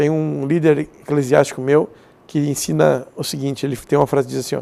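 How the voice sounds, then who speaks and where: A man is speaking. His tone is dark and mellow. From Rio Grande do Sul, Brazil. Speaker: real estate auction entrepreneur. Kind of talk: TV interview. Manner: halting, repeats words.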